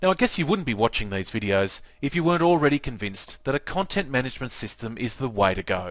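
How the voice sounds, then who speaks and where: Over a quiet background, a man with an Australian accent speaks with very wide pitch swings. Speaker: online course instructor. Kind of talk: tutorial.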